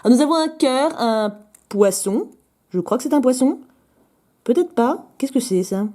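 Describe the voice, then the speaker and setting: A woman opening fan mail in a casual vlog, chatty and gushing, her voice still rough from being sick. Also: on the high side, expressive, normal speed, warm tone. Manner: chatty, gushing over drawings, interrupts herself. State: recovering from illness, voice a bit rough.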